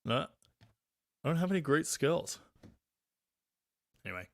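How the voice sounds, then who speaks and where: A man hosting a live stream, chatting casually and reading viewer comments, with a very loud voice recorded on a phone. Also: a little high, sing-song, measured pace, no echo, clean studio sound. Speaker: livestream host reading chat. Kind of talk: casual live chat about cars. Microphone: phone microphone.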